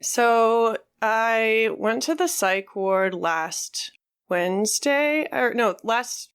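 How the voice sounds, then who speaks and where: A woman co-hosting a podcast, talking frankly in a halting way with many fillers. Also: a little high, lively intonation, a bit bright, clear, resonant tone. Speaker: podcast co-host. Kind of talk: candid conversational podcast talk.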